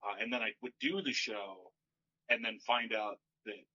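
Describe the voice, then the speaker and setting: A man in a casual podcast chat, a comedian with a mostly deadpan, monotone delivery that kicks up when he rants. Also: lowish voice, moderate pace, husky, lo-fi sound. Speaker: stand-up comedian guest.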